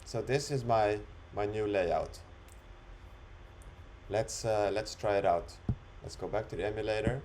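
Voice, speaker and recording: A man talking through an unscripted screen-recorded software demo, explaining it step by step in an instructional way. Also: fairly low pitch, a little slow, a little hiss or hum. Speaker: software demonstrator.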